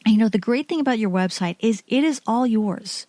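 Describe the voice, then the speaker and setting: A woman's voice: a little high, expressive, brisk, warm tone, dry recording. A woman hosting a solo marketing podcast, talking in a chatty, candid way with frequent restarts and asides. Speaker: podcast host.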